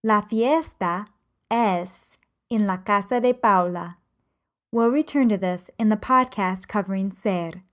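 Slow, careful woman teaching. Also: medium pitch. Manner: measured, carefully enunciated example sentences. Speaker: Spanish language teacher. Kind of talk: slow, clear podcast lesson.

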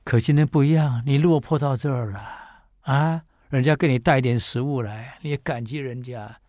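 Male history host, dramatic storyteller, middle pitch, dry studio sound. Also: dry recording. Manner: theatrical, swinging between loud emphasis and soft drawn-out asides.

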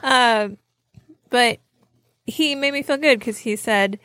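A woman co-hosting a podcast, telling a personal story in an animated, chatty way. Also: fairly high pitch, takes it slowly, dry recording, clean studio sound. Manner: animated storyteller, laughs often. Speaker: podcast co-host. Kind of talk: casual storytelling chat.

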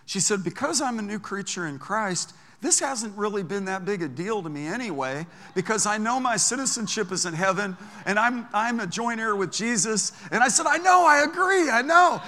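A man's voice: high voice, expressive, normal speed, few pauses, bright, forceful tone. An older man preaching a sermon as pastor, emphatic, stretching out key phrases. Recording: long hall reverb.

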